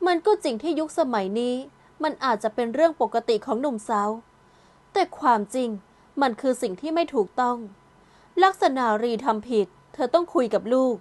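A woman narrating an audio novel in a calm, gentle storytelling voice. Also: sits high, normal speed. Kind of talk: scripted narration.

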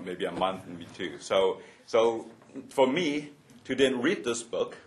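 Older man reminiscing, halting and chuckling. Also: medium pitch. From Hong Kong. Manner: halting, many fillers and restarts, laughs often. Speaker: roundtable speaker. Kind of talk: personal reminiscence at a panel.

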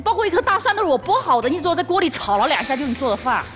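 Fast indignant woman on a studio stage. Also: high voice, very animated, fairly bright tone, soft background music. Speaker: show guest. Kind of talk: heated complaint about partner.

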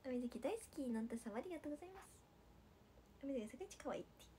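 A woman's voice: high-pitched, animated, very fast, a little hiss or hum. Sleepy young woman with a Nagasaki accent. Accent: Nagasaki dialect. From Nagasaki, Japan. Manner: drowsy, drifting into soft whispers, then bright squeals for viewers. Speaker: idol livestreamer. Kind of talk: casual livestream chat reading comments.

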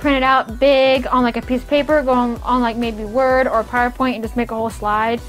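Young female YouTuber, high voice, rambling and giggly, light stutter, faint music bed. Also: little pitch movement, brisk. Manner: rambling, many "like" and "kind of" fillers, giggly; stutters at times. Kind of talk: casual vlog advice.

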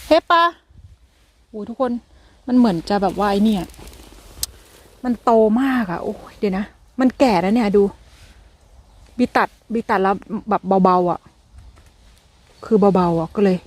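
A young adult woman chatting casually to her viewers while foraging outdoors in a forest, with excited exclamations. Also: mid-range voice, moderate pace, pauses often, no echo. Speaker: vlogger.

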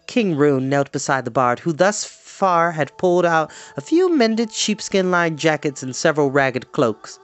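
A young adult man reading a fantasy novel aloud as an expressive storyteller, close to a microphone at home. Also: a little high, a little slow, hardly any pauses, faint music behind. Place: small furnished room at home.

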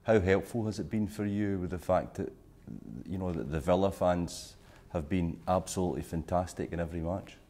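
A man's voice: low-pitched, normal speed, mellow. A man, asking friendly, direct questions as a TV interviewer.

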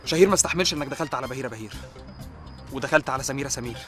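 An actor with an Egyptian accent playing an anxious friend in a comedy film, talking urgently and pushily. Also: male voice, medium pitch, rapid-fire, a bit bright, faint music behind, natural voice.

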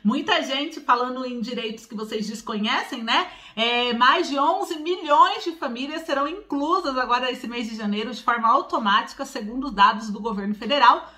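Speaking to camera from a small home room, this channel host, a woman in her forties from São Paulo, delivers the news in a bright, forceful voice pitched a little high. She keeps a moderate pace, rolls her R in the Paulista way, and stretches important words for emphasis.

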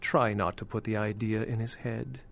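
A man's voice: fairly low pitch, fairly even intonation, normal speed, gravelly, a bit bright. An actor playing a scholarly vampire in a video game, an articulate, formal man with a dry, wry manner. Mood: cautioning, wry. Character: urbane, scholarly male vampire archaeologist, dry and knowing. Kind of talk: video game dialogue acting.

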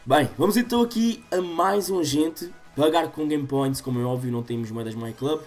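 A man in his twenties with a European Portuguese accent and a slightly stuffy nose, doing excitable gaming commentary for his viewers. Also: a little high, fairly quick. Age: 20s. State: slightly congested from a cold. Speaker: gaming YouTuber. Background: game music.

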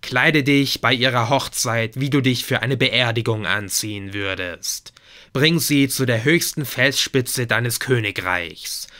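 A solemn prophetic voice, as a male narrator puts it on, drawn out slowly and delivered loudly. It pronounces doom with bright, forceful weight. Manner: slow, booming, solemn. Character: oracle woman booming with a god's voice.

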